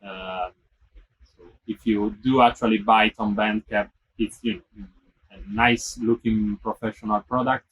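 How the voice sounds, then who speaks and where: Man, husky, band guest, steady explaining. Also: lowish voice, a little slow, low-quality recording. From Italy. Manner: steady, explanatory, light fillers. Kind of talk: casual interview answers.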